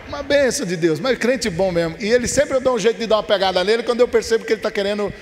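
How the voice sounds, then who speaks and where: Man, Brazilian accent, pastor, lively colloquial storytelling, high-pitched, long church hall reverb. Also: racing, a little hiss or hum. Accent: Brazilian Portuguese. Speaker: pastor on a panel.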